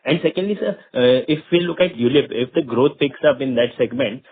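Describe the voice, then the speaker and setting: A man's voice: medium pitch, fairly quick, husky. A man with an Indian accent asking questions as an analyst on a conference call. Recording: tinny phone-like line.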